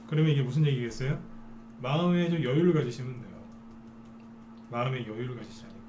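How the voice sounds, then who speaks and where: Male stock-show host, mid pitch, coaxing lecture style, faint hiss underneath. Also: fast talker. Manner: persuasive, keeps asking listeners to agree. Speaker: stock market broadcaster. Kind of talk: live stock trading lecture.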